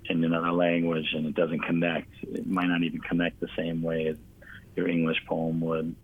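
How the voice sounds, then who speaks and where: Low-pitched and breathy at the edges, his monotone delivery moves at an ordinary pace. He's an American interview guest in casual conversation, earnest and a little rambling, with plenty of "you know"s, heard over a narrow, tinny connection.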